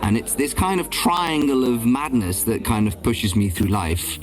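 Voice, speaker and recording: A man's voice: medium pitch, big pitch swings, unhurried, soft background music. A man from Belgium, a voice-over and casting director, talking casually in an interview on a remote call, rambling with many ums and restarts.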